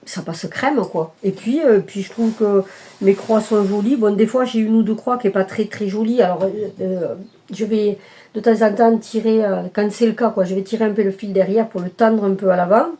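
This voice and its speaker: A woman's voice: medium pitch, fairly even intonation, normal speed, warm tone. A woman showing her cross-stitch work in a casual video chat, talking hesitantly with many fillers and self-corrections. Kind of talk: casual show-and-tell chat.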